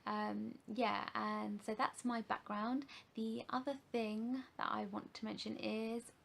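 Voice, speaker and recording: A woman's voice: a little high, little pitch movement, slow, creaky, fairly bright tone, slight background noise. A woman in her thirties from the UK, a makeup vlogger chatting to camera in a rambling way with many fillers and restarts. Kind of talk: casual rambling talk to camera.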